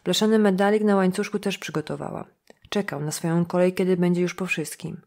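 Woman audiobook narrator, steady thriller reading, low-pitched. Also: a little fast, vocal fry. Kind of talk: scripted narration.

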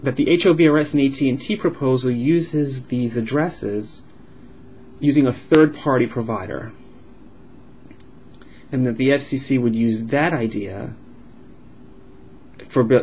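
A man voicing a signed vlog as an interpreter, explaining in halting phrases with uneven pauses. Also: medium pitch, darkish tone. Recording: dull lo-fi sound with clear background noise.

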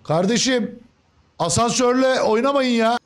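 A Turkish man hosts a gaming video, joking casually about his own play and talking back to the game characters. His delivery is measured in pace but swings between loud outbursts and low mutters, with a little hiss or hum on the recording.

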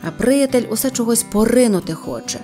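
A woman reading a humorous story aloud as a storyteller, lively and playful. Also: on the high side, brisk. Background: faint guitar music.

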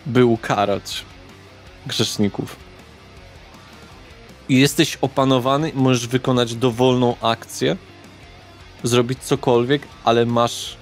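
A man narrating a tabletop horror roleplaying game as game master, in a deliberate manner with dramatic pauses. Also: mid-range voice. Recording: background guitar music.

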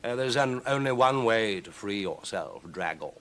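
A man's voice: on the low side, animated, moderate pace, fairly bright tone. Man voicing a smug, drawling demon cat. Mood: smug, taunting. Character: sly, imperious male demon cat, lazily taunting.

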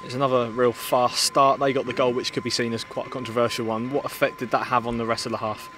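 Man, club interviewer, post-match questions, very fast, flat, neutral, outdoors at night, faint stadium noise. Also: mid-range voice. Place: outdoors on a floodlit football pitch at night.

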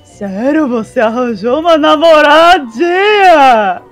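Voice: high-pitched, lively intonation, slow, a bit bright, soft background music, full character voice. A performer voicing a dopey, friendly, teasing male cat with a dim-witted drawl in a Minecraft role-play. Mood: dopey, curious.

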